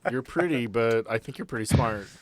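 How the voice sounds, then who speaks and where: A man's voice: mid-range voice, lively intonation, brisk, over a noisy crowd, poor audio. A man hosting a tabletop game podcast as game master, chatting informally and bantering with friends. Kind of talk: casual group chat and introductions.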